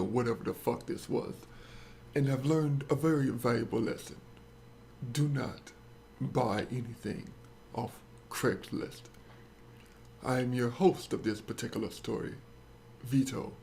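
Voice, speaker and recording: A man's voice: medium pitch, measured pace, gravelly, darkish tone, a little hiss or hum. A man hosting and narrating a dramatized comic story in a crude, sarcastic, mock-dramatic way. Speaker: host and storyteller.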